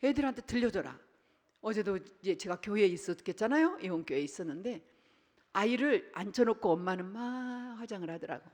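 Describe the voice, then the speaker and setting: A woman pastor preaches a Sunday sermon in a church whose long reverb trails after every phrase. Her pitch sits mid-range for a woman as she moves from loud, punchy bursts down to near-whispered asides. She slips into voices to act out little family scenes. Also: brisk. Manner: animated, swings between loud bursts and hushed asides. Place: church sanctuary.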